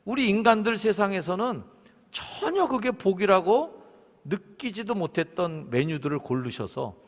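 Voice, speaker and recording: A man preaching a Sunday sermon as senior pastor, in an expressive preaching manner. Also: high voice, moderate pace. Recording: long church hall reverb.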